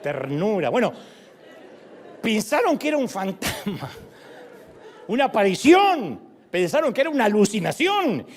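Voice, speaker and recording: A middle-aged man preaching a sermon in a joking, lively way, acting out voices. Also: high-pitched, normal speed, some chatter behind. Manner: animated, joking, acts out voices.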